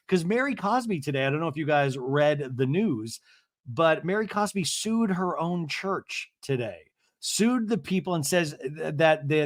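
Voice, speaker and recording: An American man with a slightly raspy voice hosting a podcast, chatting to listeners in an excitable, rambling, slangy way. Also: fairly high pitch, no room sound, clean studio sound. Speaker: podcast host.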